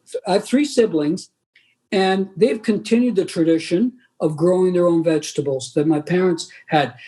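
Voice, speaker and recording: The voice has a dark, mellow tone and lively intonation, moving at a moderate pace with very even loudness. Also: man, high pitch for a man. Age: 60s. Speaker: philanthropist and former film producer. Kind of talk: podcast interview.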